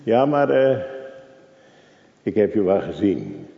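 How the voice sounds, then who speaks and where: A man's voice: fairly low pitch, huge pitch swings, slow, gravelly. An older man preaching a sermon in a church, dramatic and full of rhetorical questions to the congregation. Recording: echoey, dull church recording.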